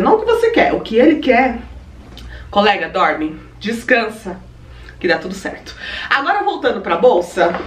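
A young Brazilian woman with a Brazilian Portuguese accent, chatting effusively to her viewers in a casual unboxing vlog at home. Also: medium pitch. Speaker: vlogger. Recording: roomy echo, distant mic, faint ambient noise.

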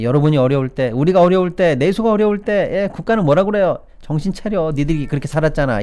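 Man, middle-aged, sarcastic commentary, swinging animated pitch, keeps addressing viewers. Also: vocal fry. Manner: sarcastic, mocks officials in put-on quotes, frequent "예" and "여러분". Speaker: political-economy commentator. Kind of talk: opinionated solo commentary.

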